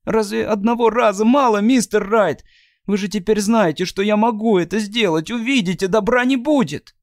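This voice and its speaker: A man's voice: high-pitched, normal speed, dry recording, clean studio sound, voice pushed up. A man voicing a young uneducated woman who speaks plain, ungrammatical folksy speech, stubborn and despairing. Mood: pleading.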